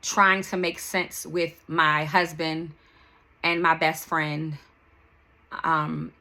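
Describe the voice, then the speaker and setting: A woman with a D.C. records a personal podcast monologue. Her voice is very bright and forward, sitting a little low. She speaks slowly and candidly, breaking her reflective sentences into short, halting pieces. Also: flat delivery. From Washington, D.C., United States. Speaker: podcast host.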